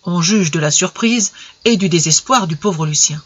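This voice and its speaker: A storyteller reads an old tale at an even, measured pace, giving the lines gentle expression. The recording is dull and lo-fi, with a muffled top end. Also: medium pitch. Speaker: narrator. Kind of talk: audiobook story reading.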